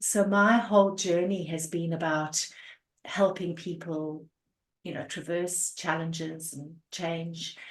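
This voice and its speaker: In a South African accent, a woman with a fairly low pitch speaks at a very slow pace with big swings in loudness. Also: fairly even intonation. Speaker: energy coach. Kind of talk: interview.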